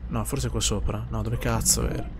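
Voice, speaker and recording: A man's voice: lowish voice, flat delivery, moderate pace, gravelly, darkish tone, slight background noise. A man streaming a horror game, nervously muttering, repeating himself and swearing as he plays. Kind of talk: live gameplay commentary.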